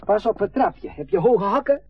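A chatty, eager middle-aged family man in a radio play, proud of his home. His fairly high, husky voice swings widely in pitch, on a muffled recording. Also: animated, normal speed, faint music behind. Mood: jovial, eager. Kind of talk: naturalistic radio drama acting.

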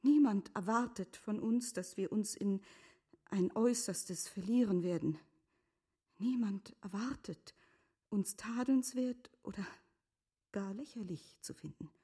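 An actress playing a composed, earnest middle-aged wife in a literary radio drama, speaking formally with a breathy, often hushed delivery. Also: female voice, medium pitch, a little slow. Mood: insistent, pleading.

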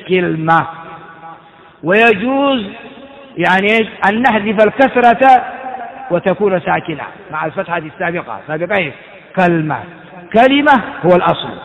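A man with a rather high voice teaches grammar in a classroom lecture, explaining step by step and firing short questions at his students. His voice rings with a long reverb, as if recorded in a large hall. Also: fairly bright tone, highs cut off.

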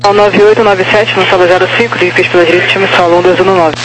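A man's voice: sits high, fairly even intonation, fast talker, a bit bright. A Brazilian man working as a tower controller, giving procedural instructions over a two-way radio. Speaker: tower air traffic controller. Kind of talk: rapid procedural radio phraseology. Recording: noisy aviation radio.

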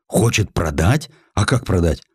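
A man's voice: sits low, animated, measured pace, darkish tone, breathy edge, dry recording, full character voice. Man playing an anxious, bewildered editor. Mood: incredulous. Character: helpless, anxious, bewildered encyclopedia editor, a gentleman.

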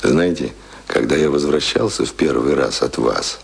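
Ardent young writer, wildly swinging pitch. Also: male voice, animated, moderate pace, vocal fry, full character voice. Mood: tender, lovestruck. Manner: impassioned, swings from tender to vehement. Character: ardent young ex-sailor turned struggling writer, idealistic and stubborn. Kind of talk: Russian radio play acting. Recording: music behind, studio radio play.

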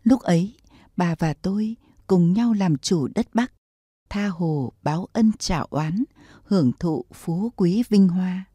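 A woman's voice: lowish voice, takes it slowly, warm tone, breathy edge, no room sound, studio quality. A woman reading the part of a scheming, ambitious male court official in a wheedling, smug tone, as in an audiobook.

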